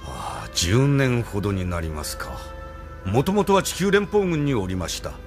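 An actor playing a loyal rebel admiral who speaks politely and proudly in a radio drama. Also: male voice, fairly low pitch, very animated, moderate pace, faint music behind. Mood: earnest. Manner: polite, deferential yet proud. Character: loyal middle-aged male rebel admiral, earnest.

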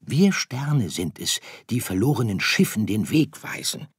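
Male reader as a gentle father star, slow, explaining, storybook audiobook. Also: fairly low pitch, husky, no room sound, clean studio sound, pitched above the performer's own voice, heavily acted. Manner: calm, explaining. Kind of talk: audiobook character voice.

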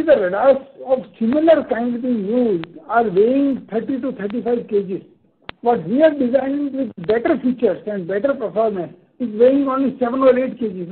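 Husky, high-pitched Indian executive, male. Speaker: company executive on an earnings call. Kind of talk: answering investor questions, business briefing. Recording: tinny, narrow conference phone line.

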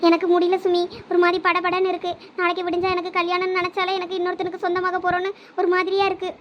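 High-pitched tearful young bride, fast pleading lines, village skit, performed by a woman. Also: completely flat delivery, dull audio, slight background noise. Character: young bride crying the night before her wedding.

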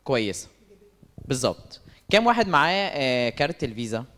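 A man with an Egyptian accent giving a lively church talk, asking the audience questions and answering them himself. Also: mid-range voice, fast talker. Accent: Egyptian Arabic. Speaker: speaker at a church service meeting. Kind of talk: lively sermon-style talk with stories. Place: church hall. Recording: long reverb of a church hall.

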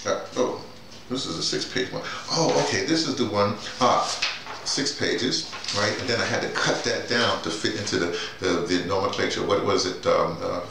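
Deep-voiced rambling man in an echoey room. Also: gravelly. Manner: rambling, halting, repeats words and digresses. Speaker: playwright and audio drama director presenting his writing. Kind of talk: casual off-the-cuff vlog talk. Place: small bare-walled office, indoors. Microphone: camera mic a few feet away. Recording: distant mic, echoey room, noisy background.

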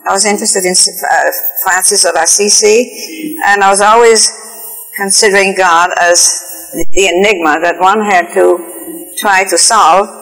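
Old swiss-born lady around 80 telling her life story, unhurried, reverby room. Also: mid-range voice, steady tone, fairly bright tone. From Switzerland. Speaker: guest, artist. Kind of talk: recounting life story in a studio interview. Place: TV studio, indoors. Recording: reverberant 1980s TV studio, music behind.

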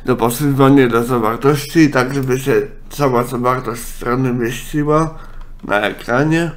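A man, a congested nose and a speech impediment, giving a casual, halting software walkthrough. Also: medium pitch, steady tone. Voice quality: congested, blocked-nose sound; speech impediment, imperfect articulation. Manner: halting, with self-corrections. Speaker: software tutorial presenter.

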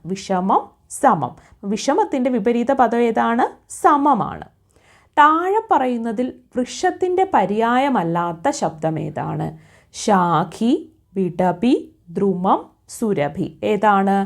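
A woman teaching an exam quiz lesson, reading out each question and its options, then repeating the answer with rhetorical questions. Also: mid-range voice. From Kerala.

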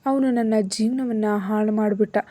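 Scared young student read by a woman narrator, soft pleading tone, mellow voice. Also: medium pitch, steady tone, normal speed, close to an everyday voice. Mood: tearful.

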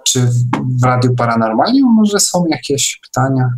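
Male host for casual online meeting; medium pitch, hesitant, repeats himself. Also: sing-song, faint music behind. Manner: halting, repeats words.

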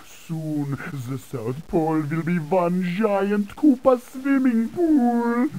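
A man's voice: a little high, darkish tone, low-quality recording. A man voicing a pompous, gloating turtle villain in a cartoon video game, theatrical and mocking.

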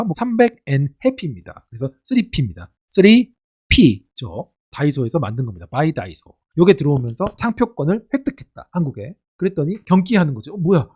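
Fast, lively, high-pitched ranting man. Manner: sarcastic, indignant, mocking asides. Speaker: commentary channel host. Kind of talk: casual ranting commentary.

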